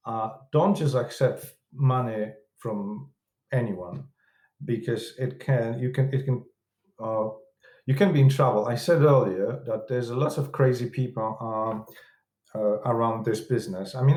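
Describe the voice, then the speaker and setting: A man with a Polish accent speaks at medium pitch with a darkish tone, the sound roomy. Originally from Poland, he is a film director and producer appearing as a guest in a casual interview in a London room, halting and restarting often with broken grammar.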